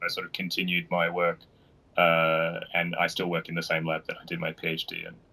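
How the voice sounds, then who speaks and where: A man talks fairly quickly in an Australian accent. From Australia, rural New South Wales. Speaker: board game designer and research scientist. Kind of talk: interview. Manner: hesitant, many fillers.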